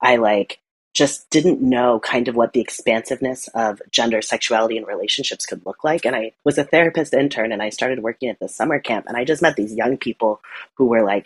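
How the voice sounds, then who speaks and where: An unremarkable speaking voice moves at a fairly quick pace. The sound is dry and close, with no echo. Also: man. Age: 30s. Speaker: therapist. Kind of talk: interview.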